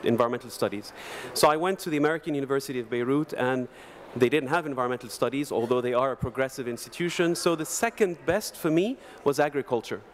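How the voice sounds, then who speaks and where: A man in his forties, raised in Denmark, speaks on a conference panel in a large hall. He tells his career story reflectively at an ordinary pitch, gesturing as he talks into a desk microphone, with a faint hum of ambience behind him. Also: fast. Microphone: desk microphone on a stand.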